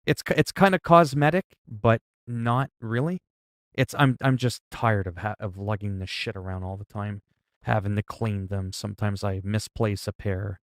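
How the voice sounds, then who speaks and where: This man in his forties talks loosely with his stream audience, swearing freely and wandering through explanations built on everyday examples. He has a fairly low voice with fairly even intonation at a moderate pace, and the studio sound is clean with no echo.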